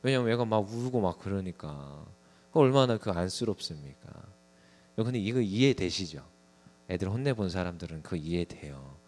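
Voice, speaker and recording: A man's voice: low-pitched, normal speed. A young man preaching a conversational sermon to a small congregation, acting out little scenes as he goes. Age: young adult. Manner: conversational, lively sermon with acted asides to the congregation.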